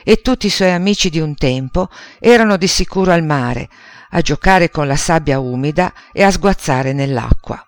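A man narrating a children's story as an audiobook, in a steady storytelling manner. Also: fairly high pitch, moderate pace, no room sound.

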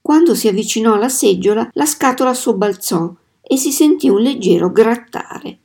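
A woman reads a children's novel aloud with measured, expressive storytelling. Her voice is warm and mellow, never sharp, and keeps an easy, steady flow. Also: fairly high pitch, vocal fry. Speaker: storybook reader.

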